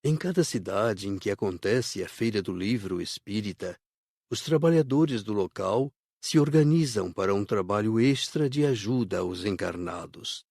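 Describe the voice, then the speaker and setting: A man playing a kindly spirit worker who explains things in a measured way for an audiobook. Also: lowish voice, animated, vocal fry, darkish tone, dry recording, clean studio sound. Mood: instructive. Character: adult male spirit worker guiding visitors, kindly and instructive. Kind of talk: scripted audiobook dialogue.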